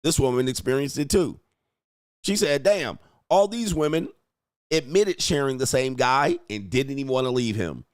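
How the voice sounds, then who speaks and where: A smooth, expressive, medium-pitched male voice at a moderate pace, recorded at studio quality with no room sound. The speaker, a dating coach reacting to clips, gives provocative commentary that's brash, profane and mocking, with sudden swells punching his words.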